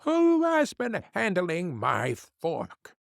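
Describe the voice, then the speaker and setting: A man's voice: sits high, huge pitch swings, very slow, creaky, no echo, clean studio sound, voice pushed up, heavily acted. A man voicing seven little dwarfs in an audiobook, asking indignant questions in turn. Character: seven little male dwarfs, fussy and puzzled.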